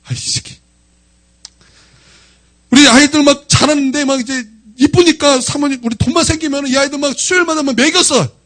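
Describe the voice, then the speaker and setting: A man in his forties, a pastor preaching a sermon, telling personal stories with emotional swings between loud outbursts and quiet asides. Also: extremely high pitch, steady tone, quick pace, hardly any pauses.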